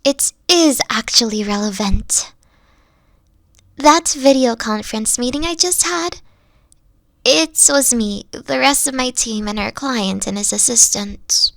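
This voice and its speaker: A woman playing a soft-spoken, sighing kitsune girlfriend. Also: fairly high pitch, lively intonation, measured pace, gravelly, no echo, clean studio sound, exaggerated voice. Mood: hurt, frustrated. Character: gentle young three-tailed kitsune girlfriend, insecure. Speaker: team lead. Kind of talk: ASMR roleplay.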